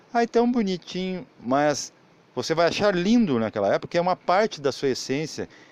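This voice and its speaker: Very wide pitch swings come through in a dry, close sound with no echo. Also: man. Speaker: spiritual teacher. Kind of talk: spiritual talk.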